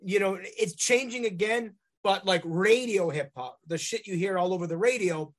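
Musician guest, man in his 40s from Canada, pretty high voice, rambles and restarts. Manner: rambling, halting, swears casually. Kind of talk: casual interview chat.

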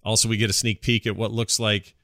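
A man hosting a casual gaming podcast, rambling along in an animated, colloquial way. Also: on the low side, a little fast, no room sound, studio quality. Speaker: podcast host.

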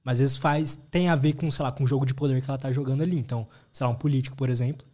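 Mellow-voiced man in relaxed chat. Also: medium pitch, very fast. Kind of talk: casual podcast chat.

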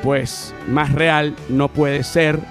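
Man doing an animated comedy monologue. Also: on the high side, very slow, gravelly, over music. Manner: animated, swings between loud outbursts and mumbling. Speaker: podcast host.

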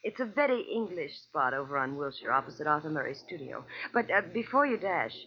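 A woman's voice: low-pitched, big pitch swings, brisk. An actress playing a coy, flirtatious, worldly woman in 1940s radio style. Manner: smooth-talking, coy, teasing. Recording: muffled old radio recording.

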